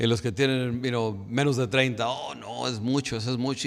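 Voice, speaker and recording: Fairly quick in pace, a man speaks in an ordinary speaking voice at a medium pitch. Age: 60s. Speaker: pastor. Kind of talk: sermon.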